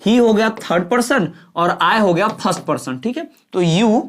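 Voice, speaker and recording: A man teaching an online exam-prep grammar class, checking in often and spelling out English examples slowly, word by word. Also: high-pitched, fairly bright tone.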